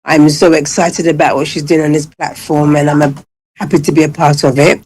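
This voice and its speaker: A woman's voice: deep voice, flat delivery, a little fast, darkish tone, slightly rough. A woman in her fifties, originally from Ghana, talking as a guest in a casual radio interview and telling her story at length with many fillers. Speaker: guest, salon owner.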